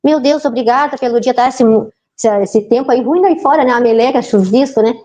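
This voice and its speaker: A woman giving an informal spiritist talk, chatty and often turning to the audience with quick tag questions. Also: high voice, warm tone. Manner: chatty, keeps asking the audience "né, gente?". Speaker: spiritist lecturer.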